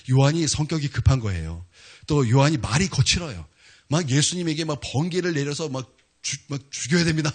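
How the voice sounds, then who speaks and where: A man's voice: mid-range voice, slightly rough. A man preaching a sermon as a pastor. He tells stories casually and with humor, using many fillers, and builds to emphatic declarations.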